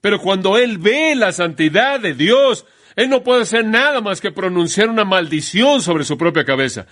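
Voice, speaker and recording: A man preaching a sermon in an emphatic way, slowing down to stress key phrases. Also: sits high, animated, fairly bright tone.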